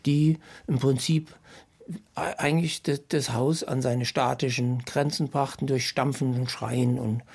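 Gravelly, husky middle-aged man reminiscing. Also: medium pitch, darkish tone. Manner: halting, searching for words, emphatic repetitions. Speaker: musician and sound designer recalling past work. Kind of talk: spontaneous reminiscence.

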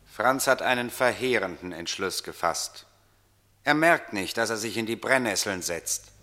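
A grave voice of fate, low yet sharp and forceful. It comments solemnly in long reverb over faint music, as in radio drama. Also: male voice, expressive, measured pace. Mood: foreboding. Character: grave, fateful commentator on the hero's downfall.

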